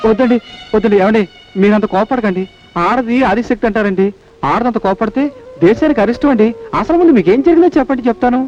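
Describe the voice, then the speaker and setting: An actor playing a meek, kind-hearted village constable who talks in a deferential, pleading way. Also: male voice, sits high, fast talker, darkish tone, lightly acted. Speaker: police constable. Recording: dull old film soundtrack with music.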